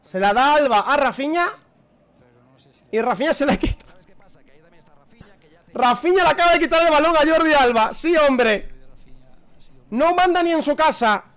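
A man reacting live to a football match as a fan, chatty and excitable, shouting at the big moments. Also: extremely high pitch, moderate pace, long pauses.

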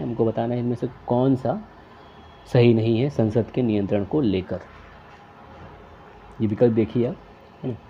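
A man's voice: lowish voice, highs cut off, a little hiss or hum. Methodical man reading quiz answers. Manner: methodical, reads each question and options aloud then names the answer. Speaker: quiz tutor. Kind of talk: exam question walkthrough.

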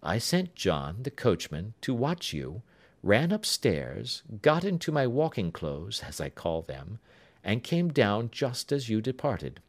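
A man reading aloud as a clever, composed young actress, poised and gently mocking. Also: on the low side, very animated, slow, full character voice. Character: clever, composed young woman, an actress writing a farewell letter.

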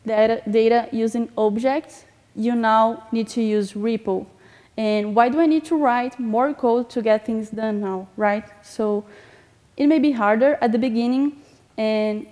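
A woman's voice: a little high, warm tone. A young woman from Brazil with a Brazilian Portuguese accent, giving a conference talk in a large hall, earnest and a little nervous, with frequent "um"s. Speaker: conference speaker.

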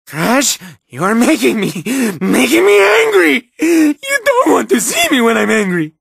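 A man voicing an unhinged, obsessive villain scientist in a video game, raspy and strained, with halting, melodramatic delivery. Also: very high-pitched, wildly swooping pitch, fairly bright tone, no echo, studio quality, heavily acted. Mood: crazed anger. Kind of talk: animated video game character acting.

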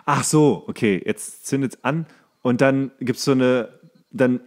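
A man's voice: mid-range voice, unhurried. A man chatting casually as a podcast host, making joking running commentary on a show he is watching.

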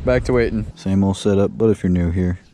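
A man hosting his fishing channel, chatting excitedly and jokily to viewers outdoors at night by a creek, recorded on a head-mounted camera. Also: deep voice, a little fast, slight background noise. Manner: excitable, jokey, talks to viewers. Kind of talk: casual outdoor vlog commentary. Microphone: head-mounted action camera.

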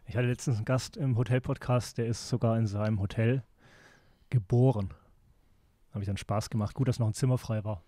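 Guy doing a chatty podcast interview, mellow tone, mid pitch, dry sound, bit jokey. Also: fairly even intonation, a little fast, no room sound. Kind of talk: casual conversational interview.

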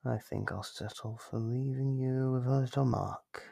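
An actor voicing an ancient, gleefully predatory monster in an ASMR horror roleplay, husky and breathy, teasing with slow menace. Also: male voice, medium pitch, fairly even intonation, warm tone. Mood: gloating menace. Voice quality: husky, gravelly, breathy with whispers. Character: gleeful predatory monster from under the bed, centuries old.

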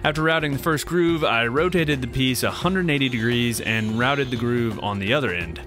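A man's voice: medium pitch, normal speed, fairly bright tone, faint music behind. A man in his thirties, host of a woodworking channel, plainly explaining each step of a build in voice-over. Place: home woodworking shop.

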